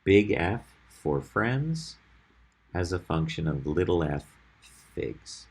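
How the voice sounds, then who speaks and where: A man's voice: sits low, sing-song, slow pace, creaky, darkish tone, slightly rough. A man teaching a math class, whose first language was Albanian. He explains each step patiently and keeps checking in with his students. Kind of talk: classroom lecture on functions.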